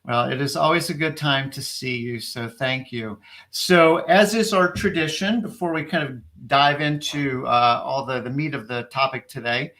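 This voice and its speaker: A man's voice: medium pitch, moderate pace, bright, forceful tone. A man hosting a casual interview, upbeat and encouraging as he asks his guest questions. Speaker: host.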